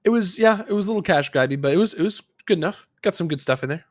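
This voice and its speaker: A man's voice: high-pitched, expressive, rapid-fire. A man co-hosting a casual gaming podcast, talking insistently and often repeating his phrases to get his point in. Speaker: podcast co-host.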